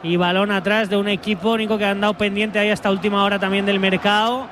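A man's voice: high-pitched, level tone, fast. A man with an accent from Spain doing live radio football commentary, chatty and joking with his colleagues. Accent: Spanish from Spain. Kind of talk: live match commentary with casual banter. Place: press area at a football stadium. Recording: loud stadium and street noise behind.

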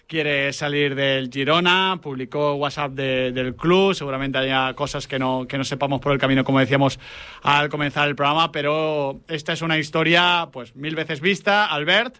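Male sports talk host, forward bright tone, slightly high pitch, conversational delivery. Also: fairly even intonation, moderate pace, smooth. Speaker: show host. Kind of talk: conversational football talk show.

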